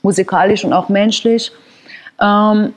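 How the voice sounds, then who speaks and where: A woman speaks in a relaxed conversational interview. She is reflective and often pauses to find the right word. Her voice sits at an ordinary middle pitch. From Iran. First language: Persian. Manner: reflective, searching for words, laughs often. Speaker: guest musician.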